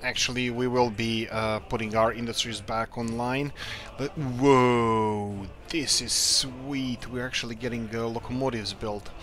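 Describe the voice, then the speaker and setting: A man's voice: medium pitch, steady tone, measured pace, fairly bright tone, a little hiss or hum. A man from Croatia, hosting a let's play and chatting casually while he plays, thinking aloud in an upbeat, rambling way. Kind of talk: casual gameplay commentary.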